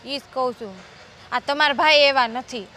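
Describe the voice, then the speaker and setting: A woman's voice: sits high, normal speed, sharp tone. A woman playing a chatty village sister-in-law. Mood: gossiping. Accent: Kathiyawadi Gujarati. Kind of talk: village family drama acting.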